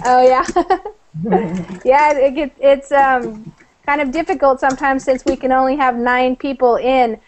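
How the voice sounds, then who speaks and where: A woman's voice: sits high, fairly even intonation, a little slow, a little hiss or hum. A woman from the United States teaching an online English class over a video call, friendly and chatty with many fillers.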